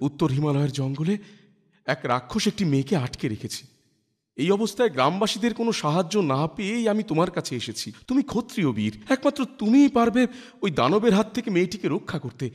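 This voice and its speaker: A man's voice: high-pitched, big pitch swings, fast. A man voicing an earnest young merchant's son in a cartoon, pleading for help.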